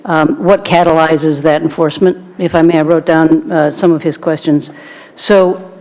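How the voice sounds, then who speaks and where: A woman's voice: low-pitched, steady tone, normal speed, a little mellow. Woman, formal explanation, official answering questions, long room reverb. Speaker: city staff member answering questions.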